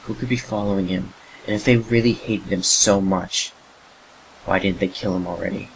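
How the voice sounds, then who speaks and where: A man's voice: low-pitched, fairly even intonation, moderate pace, slight background noise, low-quality recording. A man narrating a scripted horror story as the narrator of an audio drama.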